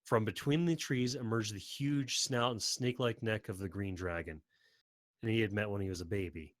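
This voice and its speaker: Male narrator for a dramatic audio story, fairly low voice, very dry close sound. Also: moderate pace, no echo.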